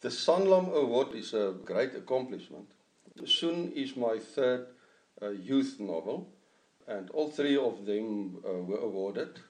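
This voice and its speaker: A middle-aged man with an Afrikaans accent, an author talking in an interview about his novel. He speaks in a halting way, searching for English words. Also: mid-range voice, animated, darkish tone. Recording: echoey room, mic at a distance.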